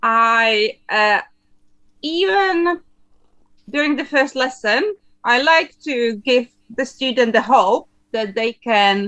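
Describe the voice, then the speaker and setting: In a Czech accent, a woman speaks at a high pitch with lively intonation. Her pace is very slow, broken by long, frequent pauses. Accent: foreign accent (Czech). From Czech Republic. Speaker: guitar teacher. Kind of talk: interview conversation. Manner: hesitant, many fillers.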